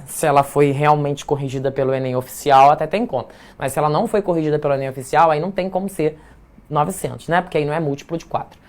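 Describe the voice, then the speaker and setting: A man's voice: fairly high pitch, darkish tone. A Brazilian man teaching a live online writing class, in a chatty, playful way that keeps checking in with the audience. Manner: chatty, playful, tags remarks with "tá?".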